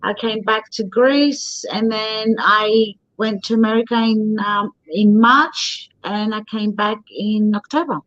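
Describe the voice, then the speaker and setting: A woman's voice: medium pitch, slow, few pauses, a bit bright, no echo. A woman raised in Australia, a psychic medium and guest, talking casually over a video call, often restarting her words. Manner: chatty, trails off and restarts words. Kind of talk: casual chat on a live stream. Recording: dull dry sound.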